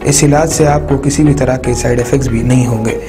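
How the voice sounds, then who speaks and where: A man's voice: mid-range voice, steady tone, fast talker. Male advert voice-over over prominent music. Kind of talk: scripted promotional narration. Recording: loud music bed under voice.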